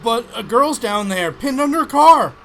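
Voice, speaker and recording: A man's voice: very high voice, lively intonation, moderate pace, fairly bright tone, a little hiss or hum, exaggerated voice, rough recording. A man playing a frightened young man pleading for help in a radio drama. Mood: desperate. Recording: music bed behind.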